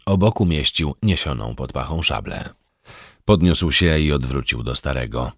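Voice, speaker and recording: A man narrating a historical novel as an audiobook, in a measured, steady, dramatic storytelling manner. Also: extremely low pitch, creaky, no echo, studio quality.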